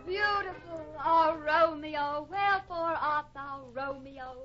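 Gushing high-voiced Hollywood starlet. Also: female voice, slow, a bit bright. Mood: romantic, gushing. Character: gushing, melodramatic, flirtatious Hollywood actress. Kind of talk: 1950s radio comedy acting. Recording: dull, faintly noisy old radio recording.

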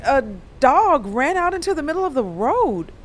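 A woman's voice: high-pitched, big pitch swings, normal speed. A woman playing a guarded, wry grown daughter in a naturalistic audio drama. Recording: car interior and traffic noise.

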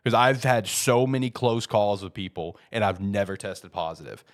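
A low-pitched man talking football in a loose, rambling way. He sounds stuffed up from a head cold, and his talk is full of fillers and restarts. Now and then he breaks into worked-up, emphatic bursts. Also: normal speed. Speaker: podcast host. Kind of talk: casual sports talk.

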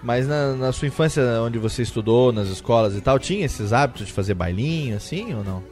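Brazilian man hosting, animated swooping pitch. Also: brisk. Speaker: podcast host. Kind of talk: casual group chat about old music. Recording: music playing under the talk.

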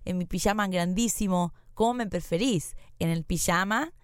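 A woman's voice: lowish voice, moderate pace, smooth, no room sound, clean studio sound. A young woman with a Rioplatense accent co-hosting a casual podcast, playful and teasing. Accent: Rioplatense Spanish. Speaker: podcast co-host.

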